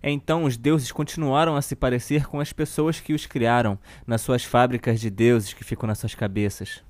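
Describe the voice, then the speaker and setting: A man with a Brazilian accent playing a children's TV uncle who reads a storybook slowly and deliberately to children. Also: medium pitch, fairly even intonation, dry recording, lightly acted. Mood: storytelling. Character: children's TV show host uncle reading a satirical storybook. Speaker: storyteller host of a kids' show.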